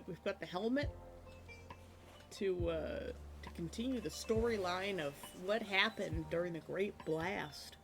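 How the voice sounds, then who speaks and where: A woman streaming a game from her room at home, chatting casually with many fillers and a slightly hoarse voice from a cough. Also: on the low side, fairly bright tone. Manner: chatty, rambling with many fillers, laughs often. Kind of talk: casual chat while gaming.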